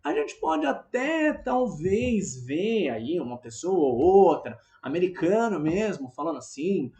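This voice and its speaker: A teacher with a Brazilian Portuguese accent giving an online English lesson, drilling example sentences slowly and often checking in with the class. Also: medium pitch, sing-song, dark tone.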